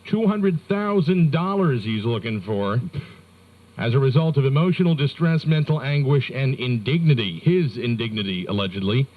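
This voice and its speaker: An American man hosting morning radio, reading news with wry, joking asides in a deadpan delivery. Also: medium pitch, normal speed. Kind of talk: comic news banter on rock radio. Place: radio studio. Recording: narrow-band 1990s radio aircheck.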